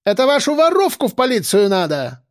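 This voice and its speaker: A man voicing a shrill, brash, quarrelsome woman who yells indignantly, in an audiobook. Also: big pitch swings, brisk, no echo, studio quality. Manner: screeching, indignant, yelling.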